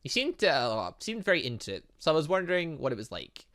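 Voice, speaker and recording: Guy doing a chatty let's play, bright voice, pretty high, mutters to himself while he plays. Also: big pitch swings, brisk. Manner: chatty, thinking aloud, muttering asides to himself. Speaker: gaming channel host playing a visual novel. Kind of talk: casual let's play commentary, reading game text aloud.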